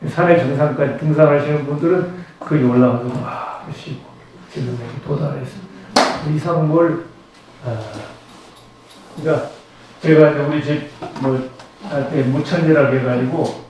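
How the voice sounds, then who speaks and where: A man's voice: fairly high pitch, fairly even intonation, a little mellow, a little hiss or hum. Older man lecturing in an echoey room. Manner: conversational, leads slow chanting. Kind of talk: Buddhist lecture. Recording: very echoey room, distant mic.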